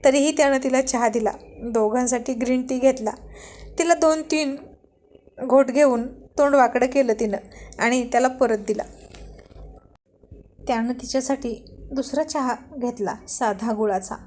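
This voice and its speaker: A woman narrating a romantic story in a lively, conversational way. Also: sits high, a little slow, pauses often.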